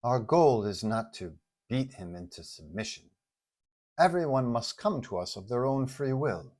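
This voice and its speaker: Villainess, voiced by a man: quiet, measured, formal revolutionary mastermind for a superhero story, calculating and composed. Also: mid-range voice, sing-song. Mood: commanding. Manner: measured, formal, soft-spoken.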